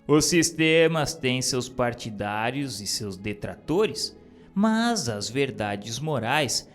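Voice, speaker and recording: A man giving a measured, solemn reading of a spiritist book. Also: medium pitch. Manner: measured, solemn, deliberate phrasing.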